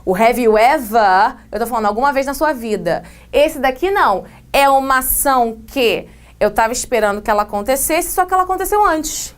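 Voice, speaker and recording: A woman with a bright, high voice and a Brazilian Portuguese accent teaches an English grammar lesson to camera. She explains in a lively, chatty way and drops in playful asides. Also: brisk, clean tone. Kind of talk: classroom video lesson.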